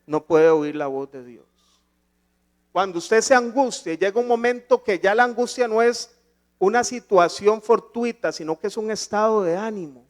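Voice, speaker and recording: A man's voice: high-pitched, lively intonation, moderate pace. A man pastor preaching a sermon in a church, asking rhetorical questions and rising to emphatic points.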